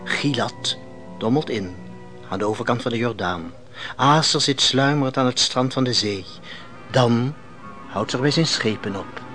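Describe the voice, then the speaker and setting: A man's voice: medium pitch, moderate pace, fairly bright tone, lightly acted. A solemn male bard played by an actor declaims poetic biblical verse in a radio play. His voice sits in the middle range, and music plays behind it. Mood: reproachful.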